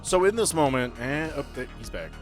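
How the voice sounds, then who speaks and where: A man's voice: mid-range voice, very animated, brisk. A man running a tabletop game as game master, narrating and explaining the rules in a conversational way. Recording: music behind the voice. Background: background music.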